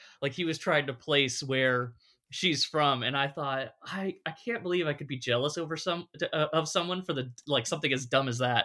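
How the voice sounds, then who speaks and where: A man with an American accent speaks at a moderate pace in a bright, sharp tone. His pitch is fairly high, with ordinary pitch variation. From United States. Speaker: podcast co-host. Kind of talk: casual chat.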